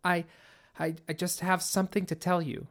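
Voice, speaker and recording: A man reading the part of an anxious teenage girl in an audiobook, speaking hesitantly and haltingly. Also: on the high side, a bit bright. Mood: nervous, hesitant. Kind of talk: audiobook character dialogue.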